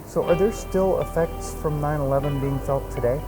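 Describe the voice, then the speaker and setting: Male host, somewhat high voice, asking interview questions, music underneath. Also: moderate pace, low-quality recording. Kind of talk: interviewing a guest.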